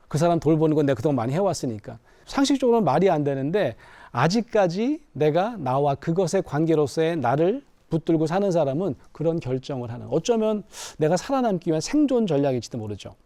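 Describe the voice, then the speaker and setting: Middle-aged guy explaining stuff, voice swings up and down a lot, soft warm tone, dry close sound. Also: fairly high pitch, fairly quick, no echo. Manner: animated storyteller. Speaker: counseling professor. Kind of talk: explanatory talk to camera.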